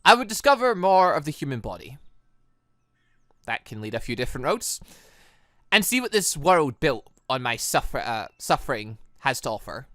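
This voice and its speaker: A gamer voicing a calm, solemn god who leads an evil crew, in measured, formal speech for a visual novel. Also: medium pitch, dry recording, clean studio sound, voice pushed down.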